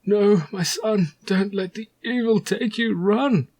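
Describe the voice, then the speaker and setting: Dramatic old doomsaying tribal seer. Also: male voice, high-pitched, takes it slowly, darkish tone, pitched above the performer's own voice. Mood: desperate. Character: fearful old tribal seer, fatherly and prophetic.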